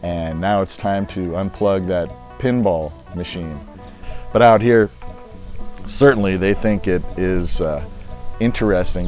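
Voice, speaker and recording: A man's voice: low-pitched, darkish tone. An older man, recently retired, talking casually to camera in a rambling, easygoing way with many fillers. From United States. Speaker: vlogger.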